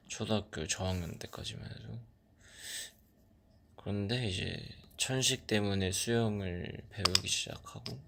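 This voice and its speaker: A young man with a very low, gravelly voice talks slowly and unhurriedly to his fans. He sounds tired from lack of sleep. His delivery is soft-spoken, often trailing off into a whisper. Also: a little hiss or hum. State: sleep-deprived. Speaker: idol on a fan livestream. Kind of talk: casual livestream chat reading fan comments.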